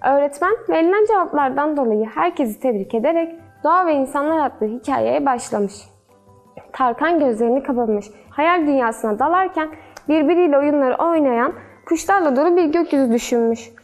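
A woman storyteller reading a children's fairy tale in a gentle, measured way. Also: high-pitched, expressive, soft background music.

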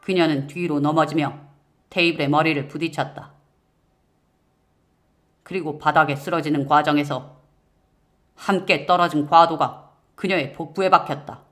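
A man narrating a first-person horror-mystery audiobook in a measured, suspenseful way. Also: fairly high pitch, fairly even intonation, a bit bright.

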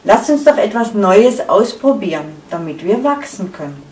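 A woman's voice: mid-range voice, big pitch swings, normal speed, darkish tone, slight background noise, natural voice. A woman voicing a restless, eager egg white. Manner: eager, pleading. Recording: echoey room, far from the mic.

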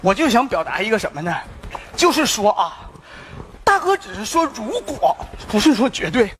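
An actor playing a drunken, self-pitying big brother in a stage comedy sketch, slurred and repetitive with overwrought declaiming. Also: male voice, high-pitched, very animated, moderate pace, a bit bright. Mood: maudlin, pleading. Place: large indoor TV stage. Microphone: headset. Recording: noisy theatre stage with studio audience.

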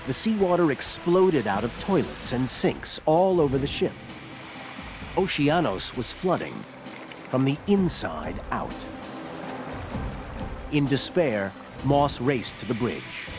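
A man narrating a documentary in a measured, dramatic scripted voice-over. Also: medium pitch, huge pitch swings. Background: loud music score.

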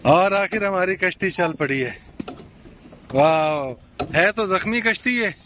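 A young vlogger father chats casually at an outdoor amusement park by a lake, playfully encouraging his child along. His voice is high, animated and fairly bright, and he speaks slowly. The outdoor recording is muffled and noisy.

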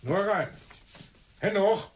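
An actor playing a gruff, impatient police commissioner with a brusque, commanding manner in a German radio crime drama. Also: male voice, sits high, expressive, slow pace, slight background noise.

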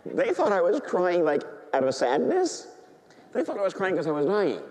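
Priest giving a sermon, super lively pitch, big echoey church sound. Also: male voice, moderate pace. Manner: animated storytelling, swings from hushed to high excited voice. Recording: reverberant church hall.

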